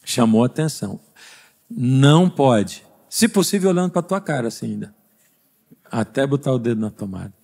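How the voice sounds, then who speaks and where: A man's voice: medium pitch, sing-song, fast talker, creaky, darkish tone, slightly rough. A man with a Brazilian Portuguese accent preaching a sermon as pastor, speaking conversationally and quizzing the congregation with rhetorical questions. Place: church service.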